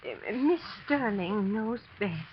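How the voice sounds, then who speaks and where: A woman's voice: mid-range voice, lively intonation, slow pace, a little hiss or hum. An actress playing an elderly, timid female school owner in a 1940s radio drama, hesitant and flustered. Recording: dull old radio broadcast.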